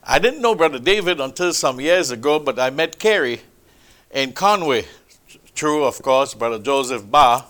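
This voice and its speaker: Man, sermon, booming emphatic delivery, bright forceful tone, church hall mic. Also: animated, moderate pace. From Trinidad. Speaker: preacher. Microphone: handheld or stand mic.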